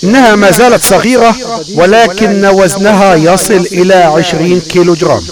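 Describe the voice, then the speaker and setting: A man reads scripted travel narration in a measured, formal way as an explorer telling of his journey. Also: high-pitched, a crowd in the background. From Egypt.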